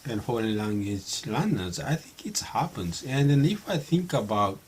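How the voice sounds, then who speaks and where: A middle-aged man from Japan, a native Japanese speaker, talking English in a halting unscripted monologue with many fillers and restarts. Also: fairly low pitch, big pitch swings, slightly rough. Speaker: vlogger practicing English.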